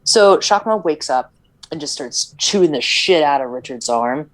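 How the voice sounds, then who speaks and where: A woman with a notably deep, low voice chatting loosely on a podcast as she recaps a film. She rambles along with constant "like" fillers, tripping over tricky words and chuckling now and then. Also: expressive, normal speed, low-quality recording. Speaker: podcast co-host. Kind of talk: casual movie recap chat.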